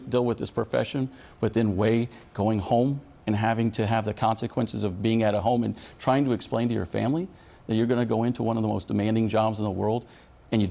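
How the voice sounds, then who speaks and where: A man's voice: lowish voice, gravelly, dark tone. A middle-aged American man answering news interview questions as a union leader, speaking earnestly and emphatically. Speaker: union leader representing air traffic controllers.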